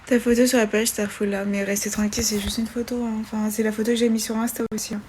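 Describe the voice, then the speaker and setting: A young woman in her twenties talks casually into her phone on a live stream. She reads out viewers' questions and answers them in a halting, filler-heavy way. Her voice sits a little high and stays fairly monotone. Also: slight background noise. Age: 20s.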